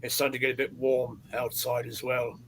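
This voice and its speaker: Hesitant man with a bright voice. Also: medium pitch, level tone. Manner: hesitant, frequent drawn-out uhs. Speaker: guest. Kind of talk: casual chat. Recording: noisy internet call with room ambience.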